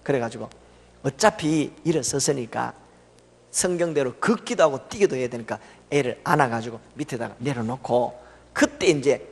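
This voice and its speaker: A middle-aged man preaching a revival sermon. He tells the story with laughter and swings from loud exclamations to hushed tones. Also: medium pitch, expressive, normal speed, gravelly, husky. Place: church sanctuary. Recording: reverberant church sanctuary.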